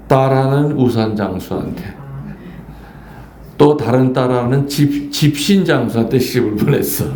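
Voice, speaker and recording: A man's voice: mid-range voice, a little mellow, a little hiss or hum. Older guy priest doing a sermon, jokes around with the crowd, does little voices, roomy church echo. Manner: playful, teasing the congregation, acts out voices in stories. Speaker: Catholic priest. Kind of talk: lively sermon with storytelling. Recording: echoey church room, faint ambience.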